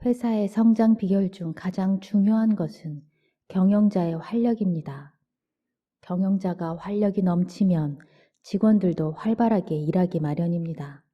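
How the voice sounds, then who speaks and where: A woman reading a book aloud as a calm bedtime narration, in a soft, gentle voice that sometimes drops close to a whisper. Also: mid-range voice, moderate pace. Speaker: audiobook narrator. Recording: dull lo-fi audio.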